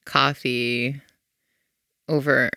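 A woman's voice: a bass voice, level tone, drawn-out words, gravelly, bright, forceful tone, dry recording, studio quality. A woman co-hosting a podcast, chatting casually, teasing her partner and laughing easily. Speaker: podcast co-host. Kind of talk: casual chat.

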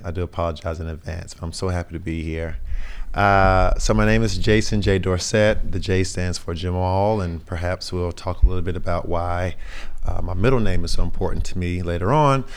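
A young man with a very deep, resonant voice, roughened into raspiness by a sinus infection. He talks earnestly as an interview guest, choosing his words with care. He leans on fillers and restarts. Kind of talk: casual conversational interview.

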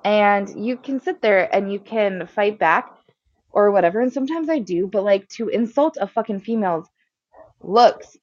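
A woman's voice: medium pitch, lively intonation, moderate pace, no echo. A woman co-host talks bluntly, scolding and cursing freely. Her voice sits mid-range. The sound is dry and a little muffled, lo-fi. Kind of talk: casual call-in show banter. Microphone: earbuds in, remote mic.

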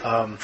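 A man's voice: medium pitch, creaky, lo-fi sound. A man giving a lecture and reading a passage aloud, speaking thoughtfully and hesitantly with frequent fillers and restarts. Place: lecture room.

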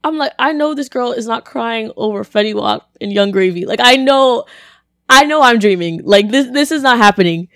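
A young woman, a college student, telling a story in casual chat, her voice deeper than usual and a bit congested, with lots of "like" and acted-out quotes. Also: moderate pace, no room sound, studio quality. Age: young adult. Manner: chatty, animated, lots of "like", acts out quotes.

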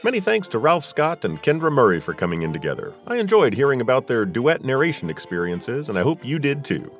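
A man's voice: mid-range voice, big pitch swings, a little fast, faint music behind. A man hosting a podcast in a conversational interview style. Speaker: podcast host.

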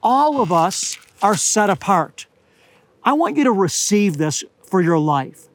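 Preaching outdoors amid high-altitude pines, a high-voiced older man sounds a little hoarse and scratchy, with a sing-song quality. He is earnest and deliberate, slowing on the words that matter most, and the recording is close and dry with hardly any reverb.

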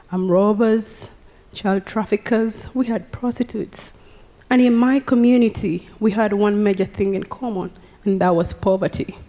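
A woman's voice: mid-range voice, mellow. A young Ugandan woman with a Ugandan accent giving her personal testimony to a congregation, earnest and speaking straight to the audience. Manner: earnest, engaging the audience directly. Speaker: guest speaker. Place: church sanctuary. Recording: reverberant church hall.

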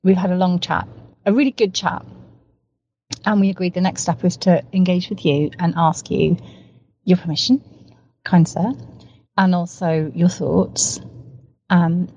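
A woman's voice: on the low side, steady tone, a little slow, pauses often, mellow, breathy edge, no room sound, low-quality recording. A woman with a cold, talking in an eager, rambling way and piling up words for emphasis, recorded in a parked car. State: has a cold. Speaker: podcast co-host. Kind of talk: recorded voice message, casual.

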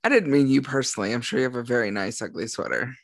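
A man's voice: mid-range voice, creaky, no room sound. Joking young man co-hosting a podcast. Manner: joking, quick banter. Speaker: podcast co-host. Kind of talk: casual chat.

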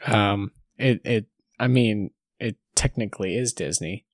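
A man's voice: fairly low pitch, measured pace, no echo, clean studio sound. A young man chatting casually as a contestant in a quiz. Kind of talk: casual chat.

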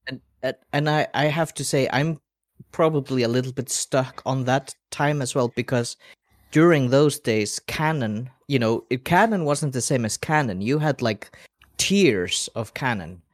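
A man's voice: medium pitch, a little slow, no echo, studio quality. A man co-hosting a casual podcast chat, rambling and hesitant with frequent restarts. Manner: rambling, hesitant, many fillers and restarts, laughs often.

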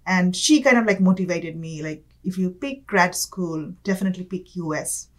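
A woman's voice: lowish voice, moderate pace. Bangladeshi-accented woman, chatty guest. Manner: chatty, frequent "like" and "kind of", light laughs. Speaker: guest, MBA student. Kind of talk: conversational interview.

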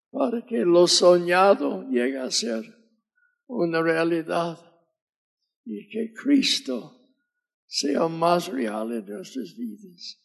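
A man in his nineties from Mississippi with an American accent and English as his first language, preaching a fervent and deliberate sermon as a visiting preacher. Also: high-pitched, vocal fry, darkish tone, poor audio. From Mississippi, USA. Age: 90s.

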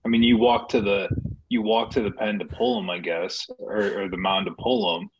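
A man's voice: lowish voice, moderate pace, dull audio, slight background noise. A man co-hosting a podcast, rambling and joking in casual chat, full of filler words. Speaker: podcast co-host.

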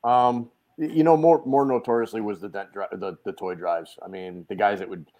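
Animated storytelling man on a podcast. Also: on the low side, moderate pace. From Northeast US. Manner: animated storyteller, swears casually. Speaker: guest. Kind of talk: casual podcast chat.

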